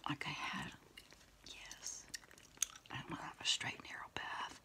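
Middle aged lady doing whispery asmr, really slow, little murmured hums between phrases. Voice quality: breathy, mostly unvoiced whisper. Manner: unhurried, murmuring, with pauses and soft hums. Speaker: ASMR host playing a therapist. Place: small candlelit indoor room.

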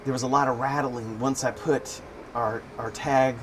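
A man chatting in a relaxed, wry and amused way as he tells everyday stories for his vlog. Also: mid-range voice, normal speed, background noise. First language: English. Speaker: vlogger. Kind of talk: casual storytelling vlog. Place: living in Thailand.

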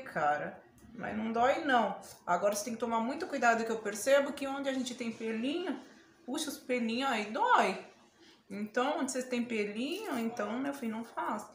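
A Brazilian woman with a Brazilian Portuguese accent and a somewhat high voice, talking a beauty tutorial straight to camera. She is chatty and exclamatory, quick to laugh or yelp. The sound is roomy, with a faint home hum behind her. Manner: chatty, exclaims often, laughs and yelps when it stings. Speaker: beauty vlogger. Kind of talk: casual tutorial chat to camera. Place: home room, indoors.

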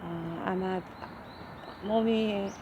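A woman's voice: medium pitch, steady tone, drawn-out words, lo-fi sound, noisy background. A middle-aged woman, speaking casually and calling the cats over and over in a coaxing, affectionate way as she feeds them outdoors on a hillside. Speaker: cat caretaker and channel host. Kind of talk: casual talk while feeding cats.

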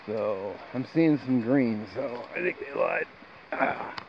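A man with a creaky voice chatting casually and off the cuff as he vlogs outdoors on a trail, with dry asides. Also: medium pitch, slow. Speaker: hiking vlogger. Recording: dull lo-fi outdoor sound, steady noise.

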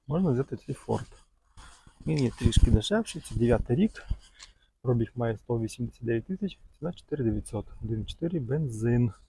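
Male vlogger, mellow gravelly tone, loose rambling car-lot commentary recorded outdoors. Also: mid-range voice, rough recording. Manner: chatty, fond of diminutives, loose and rambling. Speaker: vlogger showing cars for sale. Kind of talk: casual walk-around commentary.

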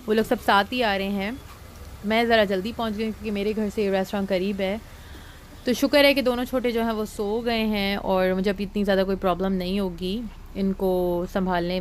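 Mom vlogger, thirties, from Pakistan, chatty and direct, recorded on a phone. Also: female voice, mid-range voice, slight background noise. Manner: chatty, addressing viewers directly. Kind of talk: casual vlog narration to camera. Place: indoor mall, then parked car.

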